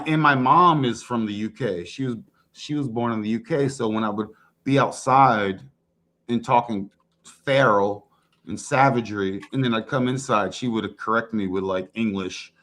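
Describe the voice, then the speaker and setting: A man's voice: medium pitch, moderate pace, a bit bright. A man from Maryland with no regional accent, chatting casually in a laid-back, playful, slangy way. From Maryland, United States. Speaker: stream guest. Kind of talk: casual chat.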